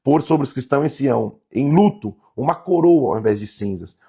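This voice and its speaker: A man's voice: mid-range voice, lively intonation, brisk, gravelly, dark tone, slightly rough. A man reading Bible passages aloud and explaining them in a casual, conversational way. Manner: reads verses aloud, then comments in a casual tone. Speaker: Bible teacher.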